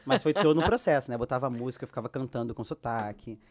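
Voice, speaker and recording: A Brazilian woman with a Brazilian Portuguese accent, a guest actress telling lively anecdotes and acting out the dialogue she quotes. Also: rumbling low, quick pace. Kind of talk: casual storytelling.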